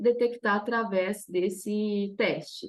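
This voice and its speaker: Speaking very slowly, a woman with a fairly high pitch talks in a Minas Gerais accent. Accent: Minas Gerais (mineiro). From Brazil, Minas Gerais. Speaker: lecturer, exercise physiologist. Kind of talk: lecture. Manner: hesitant, many filler words.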